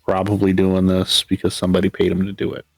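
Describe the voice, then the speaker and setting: Low-voiced male game master. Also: fast, no echo, soft background music, poor audio. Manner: relaxed, rambling with many fillers. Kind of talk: narrating a tabletop game.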